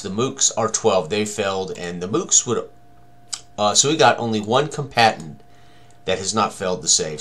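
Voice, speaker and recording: Low-voiced older man, halting tutorial delivery. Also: a bit bright. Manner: halting, thinking aloud while working. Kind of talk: tutorial walkthrough of tabletop game combat.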